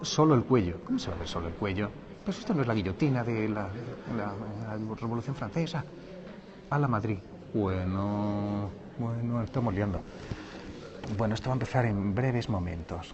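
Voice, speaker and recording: A quiet man with a fairly low voice speaks at a moderate pace with ordinary pitch variation, leaving long, frequent pauses, over noticeable background noise and audible room echo. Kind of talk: casual chat with livestream viewers before a talk. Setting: livestream from a phone in front of an auditorium. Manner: animated; speaking quietly.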